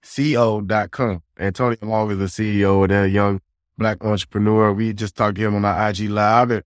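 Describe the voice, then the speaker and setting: A man's voice: fairly low pitch, little pitch movement, brisk, no room sound, clean studio sound. A man co-hosting a podcast, chatting casually with hype-man affirmations. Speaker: podcast co-host.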